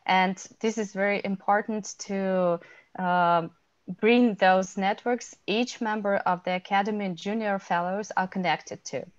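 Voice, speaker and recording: A woman with a Ukrainian accent presents at a slow, measured pace. The sound is close and dry but dull, as on a video call through an earphone mic. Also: medium pitch, fairly even intonation, no echo. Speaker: panelist. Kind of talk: semi-prepared panel presentation. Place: small office, video call. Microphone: wired earphone microphone.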